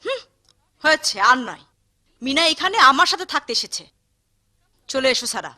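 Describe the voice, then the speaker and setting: A woman's voice: high voice, sing-song, normal speed, sharp tone. A woman voicing a firm, caring aunt in a cartoon, stern and protective. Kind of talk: cartoon voice acting.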